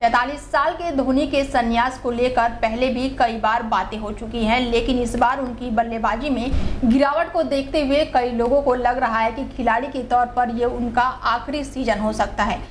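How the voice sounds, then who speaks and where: Female news anchor, fairly high voice, brisk bulletin read over faint noise. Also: fairly even intonation.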